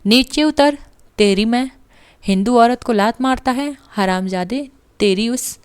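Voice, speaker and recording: A woman voicing a thin, excitable male clerk who shouts abuse at a fellow passenger on a train. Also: mid-range voice, takes it slowly, clean tone, no echo, close to an everyday voice. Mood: furious shouting. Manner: shouting, furious, abusive.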